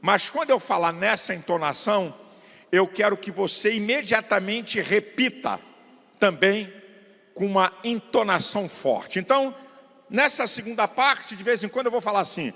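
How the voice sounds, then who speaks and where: A middle-aged pastor preaching an emphatic sermon, swinging between shouted peaks and low asides and drawing out key words. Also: male voice, normal speed, vocal fry. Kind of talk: fiery sermon. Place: large church. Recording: long hall reverb in a church.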